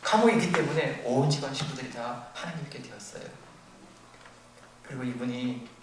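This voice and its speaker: Older pastor preaching in an echoey church. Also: male voice, mid-range voice, fairly quick. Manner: animated storytelling, acting out shouted quotes. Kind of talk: sermon with storytelling. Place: church sanctuary. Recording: very echoey, distant from the mic, faint noise.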